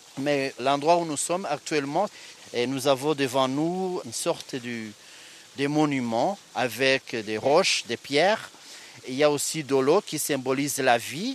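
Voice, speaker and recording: At a fairly slow pace, a man with a fairly high pitch talks with ordinary pitch variation amid noticeable background noise. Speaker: memorial guide, genocide survivor. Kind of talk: guided tour explanation. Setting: outdoors. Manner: halting.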